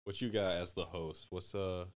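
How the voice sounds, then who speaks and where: A man's voice: deep voice, fairly even intonation, moderate pace, no echo. A man from Connecticut, a podcast guest, chatting in a laid-back, joking way with a lot of "like" in a studio. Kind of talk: casual podcast chat.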